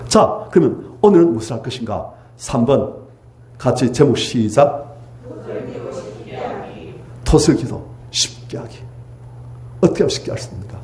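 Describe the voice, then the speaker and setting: A man preaching a revival sermon in a church, pleading loudly at times and dropping to hushed near-whispers at others. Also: mid-range voice. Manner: impassioned, swings from loud pleading cries to hushed near-whispers. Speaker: pastor. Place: church sanctuary.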